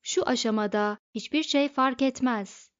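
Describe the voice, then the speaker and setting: A woman voicing a cool, offhand alien man who stays calm and unbothered, read in an audiobook. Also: sits high, unhurried. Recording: dull lo-fi recording.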